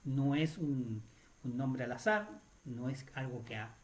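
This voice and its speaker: A man's voice: medium pitch, slow pace. A man hosting a Catholic radio program, retelling a story in a chatty teaching style, often tacking "right?" onto his sentences and restarting phrases. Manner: adds tag questions like "right?", with restarts.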